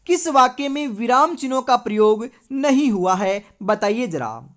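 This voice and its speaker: A woman from India leads an exam-prep lesson in a fairly high voice. She reads each question and its options aloud. She confirms every answer with the same stock phrases. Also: expressive, a little slow. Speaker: teacher.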